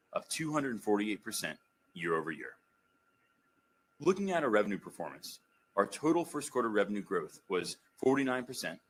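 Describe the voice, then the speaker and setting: A man's voice: on the low side, fairly bright tone, husky, low-quality recording. A man reading a scripted financial report as a finance executive, formal and businesslike.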